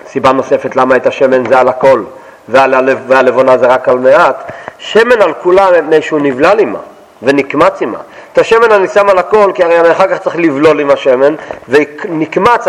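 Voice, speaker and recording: A man with a fairly high voice teaches a text study lesson. He quotes a verse and then unpacks it in plain words, putting questions to himself and answering them. His voice rings with a long tail of reverb from the room. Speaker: Torah teacher.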